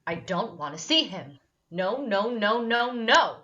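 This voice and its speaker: A woman's voice: a little high, sing-song, measured pace, sharp tone, highs cut off, heavily acted. A woman reading the part of a distraught, fragile young patient in a mental hospital at a screenplay table read. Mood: panicked, distraught.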